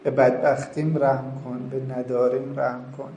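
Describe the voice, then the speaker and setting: A man's voice: medium pitch, level tone, mellow. Fervent pleading man preaching in echo. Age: 40s. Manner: pleading, fervent, quotes Arabic prayers. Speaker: preacher leading prayer. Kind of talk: devotional supplication sermon. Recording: echoey room, faint background noise.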